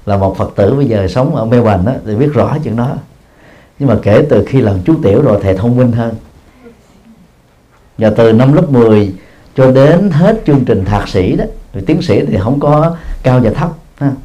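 A man, a Buddhist monk, giving a dharma talk at a practice hall, explaining at length, padding his phrases with a drawn-out filler and chuckling at himself. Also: medium pitch, warm tone. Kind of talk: dharma talk answering questions.

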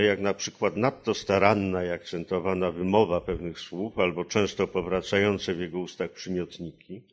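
A man with a very deep, low voice reads literary prose aloud at an unhurried, measured pace. He is a translator presenting his own text with careful attention to rhythm and phrasing. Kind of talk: reading aloud and discussing a translation.

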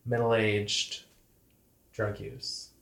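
A man's voice: on the low side, flat delivery, creaky. A man in his thirties co-hosting a podcast, joking and teasing his co-host and guest in casual chat. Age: 30s. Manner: joking, teasing, quick interjections. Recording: echoey room with faint noise.

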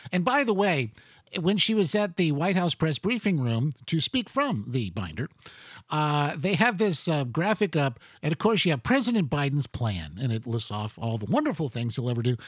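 Lively sarcastic male talk host. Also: fairly high pitch, moderate pace, no echo. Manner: conversational, sarcastic, frequent fillers and restarts. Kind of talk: political talk show monologue.

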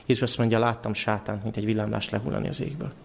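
Man preaching an animated sermon. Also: lowish voice, creaky, background noise. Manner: animated, asks the congregation questions. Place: church.

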